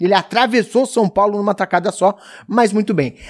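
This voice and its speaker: A man talks in an animated tone. His pitch is high. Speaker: podcast host. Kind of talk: casual chat. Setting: at home, recording remotely.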